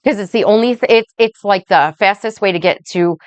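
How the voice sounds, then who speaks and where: A woman life coach rambling through a casual vlog monologue, slow and blunt, swearing freely and checking in with "right?" and "okay?". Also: mid-range voice, no room sound. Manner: speaks slowly.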